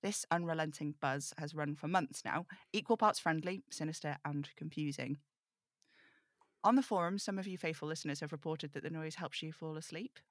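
A woman playing an apologetic host of an eerie radio show in an audio drama read-through, conversational, self-deprecating and measured. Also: sits low, dry recording, lightly acted. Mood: wry, apologetic. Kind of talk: audio drama table read, scripted monologue.

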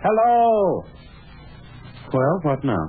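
A man's voice: high voice, sing-song, very slow, slightly rough, exaggerated voice. An actor playing a brusque man who turns anguished and breathless with horror and grief, in 1940s radio acting. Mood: tense. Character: gruff, impatient man driven to horror and grief. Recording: scratchy tinny old radio broadcast.

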